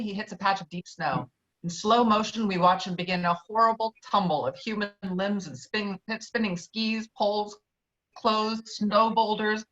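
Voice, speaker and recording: A woman's voice: mid-range voice, a bit bright. A woman reading stage directions as the narrator of a virtual table read. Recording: dull, lo-fi online call.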